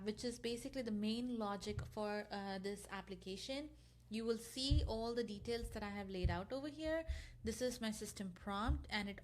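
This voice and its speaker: A woman presenting a software tutorial in a casual, explanatory screencast walkthrough style with loosely scripted delivery. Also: mid-range voice.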